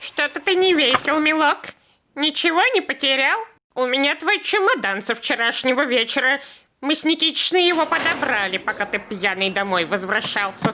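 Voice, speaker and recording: A woman speaks at a moderate pace in a cartoonish character voice, high-pitched and swinging very widely in pitch. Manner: folksy, warm.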